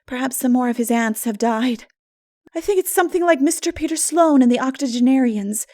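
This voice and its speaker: A storybook teen girl, really high and dramatic, breathless, impulsive, big swoopy delivery. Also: expressive, brisk, warm tone. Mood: chatty. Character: impulsive, melodramatic, talkative teenage girl. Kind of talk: dramatic audiobook character voice.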